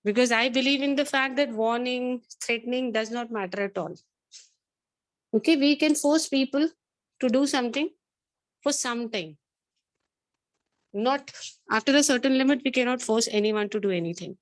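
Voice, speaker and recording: Higher-pitched South Asian woman teacher, earnest and admonishing. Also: normal speed, long pauses. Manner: earnest, admonishing, maternal, repeats herself; mixes Hindi phrases into English. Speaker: biology teacher addressing an online or classroom class. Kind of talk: lecturing and counselling students.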